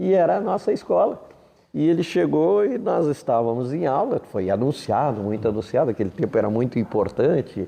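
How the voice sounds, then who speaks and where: Quite quick in pace, a man with a dark, mellow tone keeps a very even loudness while his pitch swings very widely. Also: medium pitch for a man. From southern Brazil, Rio Grande do Sul (Bagé). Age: 60s. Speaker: pastor. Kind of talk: interview, personal reminiscence.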